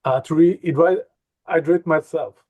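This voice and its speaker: Male hypnosis trainer, slow and unhurried, lightly raised pitch, stumbles through fillers as he recounts a story. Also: darkish tone. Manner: hesitant, many fillers and repeats. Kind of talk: casual interview storytelling.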